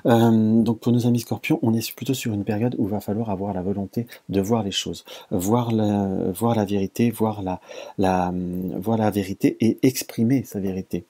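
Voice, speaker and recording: Hesitant husky man reading tarot. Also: lowish voice, steady tone, normal speed, mellow. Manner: hesitant, stammers and restarts often. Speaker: tarot reader. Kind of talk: casual tarot reading to camera.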